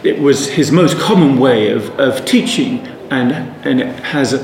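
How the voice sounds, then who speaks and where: A Bible teacher's expressive, slightly mellow voice sits at medium pitch and moves unhurriedly. He gives an unplanned Bible study talk that meanders thoughtfully, with many restarts and asides, recorded in an echoey space with a faint hum of ambient noise.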